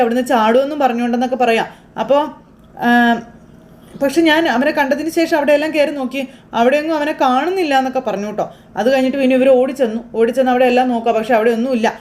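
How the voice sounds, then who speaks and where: A woman retelling a TV serial episode, acting out the characters' lines in quick fragments with restarts. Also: a little high, darkish tone.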